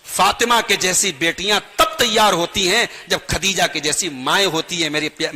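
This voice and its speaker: A man's voice: high-pitched, bright, forceful tone. A man preaching a sermon, earnest and pleading, with rhythmic repetition and rising emphasis. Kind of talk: sermon to a gathering. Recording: long hall reverb.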